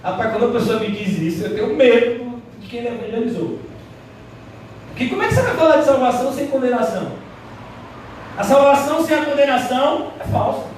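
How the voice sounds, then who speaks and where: High-voiced man preaching in an echoey church. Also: fairly quick, slight background noise. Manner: animated preaching, acting out voices of doubters. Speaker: pastor. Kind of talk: sermon. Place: church hall. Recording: echoey hall, heard from a distance.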